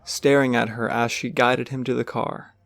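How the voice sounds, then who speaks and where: A man's voice: medium pitch, flat delivery, normal speed, gravelly, a bit bright, no echo. A man giving scripted third-person narration for an audio drama.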